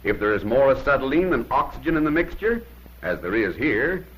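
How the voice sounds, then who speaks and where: A man narrates in the style of a 1950s instructional film. His voice swings widely in pitch and has a husky edge. He gives short, plain-spoken instructions with firm emphasis, captured on an old film soundtrack. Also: very animated, a little fast, fairly bright tone, poor audio.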